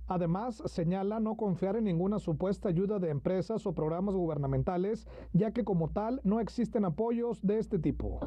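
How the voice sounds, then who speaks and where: The speech runs at a moderate pace. There are hardly any pauses. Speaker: news reporter. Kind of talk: TV news report narration.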